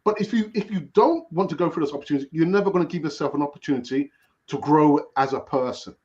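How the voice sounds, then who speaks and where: A man's voice: fairly high pitch, fast, a little mellow, lo-fi sound. A man hosting a casual chat show, telling personal stories in a rambling way with many restarts. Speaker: podcast host.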